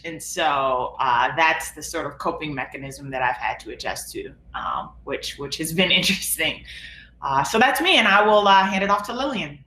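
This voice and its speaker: A woman introducing herself on a conference panel in a casual, halting way with frequent fillers. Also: deep voice, pushed and bright. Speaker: panelist, product lead. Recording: echoey room with faint noise.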